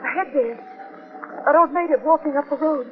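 Woman acting as nervous hesitant female traveller, very high pitch, 1940s radio drama, phone-like sound. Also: moderate pace, close to an everyday voice. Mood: anxious. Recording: tinny 1940s radio recording.

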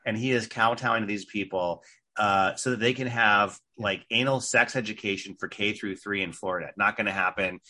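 A man hosting a casual political talk show, brash and emphatic, with quick interjections of agreement. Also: fairly low pitch, steady tone, sharp tone. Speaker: host.

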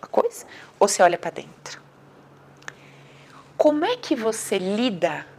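Gravelly-edged young Brazilian woman confiding. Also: lowish voice, slight background noise. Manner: conversational, dramatic quoted voices, slow reflective stretches. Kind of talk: personal storytelling to camera.

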